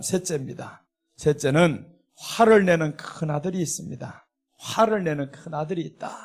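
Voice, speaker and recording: A man's voice: on the high side, darkish tone. A middle-aged man preaching a sermon as a pastor, earnest and emphatic, with a Seoul Korean accent. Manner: earnest preaching, rising when voicing indignation.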